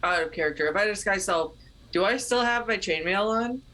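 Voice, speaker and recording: A woman's voice: mid-range voice, fairly quick, sharp tone. A woman playing a tabletop game, chatting casually and thinking aloud with some hesitation.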